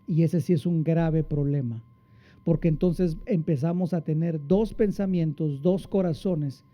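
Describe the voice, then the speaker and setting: A man's voice: a little slow, dark tone. A man preaching a sermon, asking the congregation questions and answering them, acting out quotes with big swings in his voice. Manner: dramatic, acts out quotes with big pitch swings. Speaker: pastor. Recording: dull lo-fi sound.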